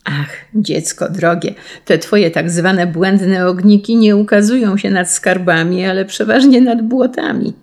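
A woman voicing a kindly uncle who gently teases and explains things to children. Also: mid-range voice, measured pace, hardly any pauses, close to an everyday voice. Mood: teasing. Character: kindly, amused uncle, a grown man.

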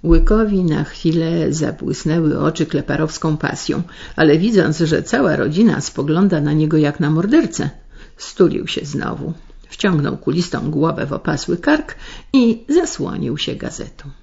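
A woman reading a story aloud and hosting a radio program in a measured, expressive narration, on a slightly muffled radio recording. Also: low voice, creaky, slightly rough. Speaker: radio story reader and host.

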